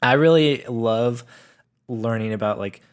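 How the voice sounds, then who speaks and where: A man's voice: mid-range voice, unhurried, clean tone. A man co-hosting a podcast in casual chat, talkative and full of filler words. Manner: chatty, heavy filler words. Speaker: podcast co-host.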